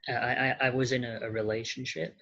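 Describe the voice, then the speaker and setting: A man talking casually as an interview guest, hesitant and halting, with an understated way of speaking. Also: mid-range voice, flat delivery, creaky, sharp tone, muffled recording. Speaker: podcast guest, model and actor.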